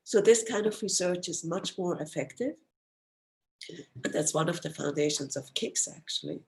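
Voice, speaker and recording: Woman lecturer, gravelly fry, losing her voice, video call seminar. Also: on the low side, measured pace, pauses often, noisy background. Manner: explanatory, steady, apologetic when interrupted. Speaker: professor giving a research seminar. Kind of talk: academic lecture.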